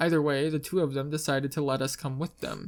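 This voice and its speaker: Someone speaks at a fairly quick pace on a very clean recording with a silent background. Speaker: story narrator. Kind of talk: greentext story reading.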